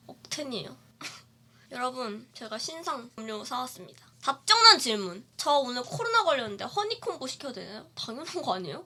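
Woman live streamer, high bright voice with lots of swing, playful chat with viewers. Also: husky. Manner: playful, chatty, answering viewer comments. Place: dim room. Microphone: webcam streaming setup.

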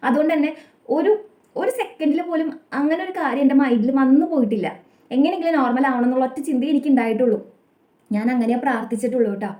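A young Malayali-accented woman, a vlogger, tells a personal story to the camera in an earnest, confessional way. Her voice sits high and mellow, and she talks rapidly, often adding the tag "kettō". The room is echoey.

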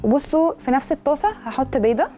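Egyptian woman food blogger rattling off cooking tips super fast, kinda high mellow voice, faint music and sizzling pan behind. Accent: Egyptian Arabic. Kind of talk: chatty cooking advice.

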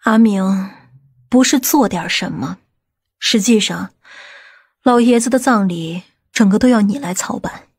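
A woman voicing a composed, decisive aunt in an audiobook drama, measured and matter-of-fact. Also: mid-range voice, a little mellow, husky. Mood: composed, explaining.

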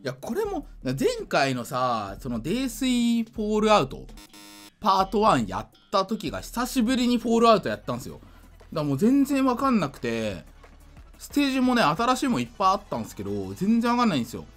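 A drunk man giving casual gameplay commentary, rambling, slightly slurred and excitable, often repeating himself. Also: sits high, brisk, faint music behind. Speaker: gaming video creator.

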